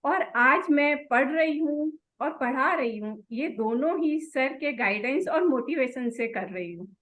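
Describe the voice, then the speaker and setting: Earnest, high-voiced woman thanking her teacher. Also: animated, unhurried, a bit bright. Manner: earnest, grateful. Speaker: student and co-presenter. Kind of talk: spoken tribute to a teacher.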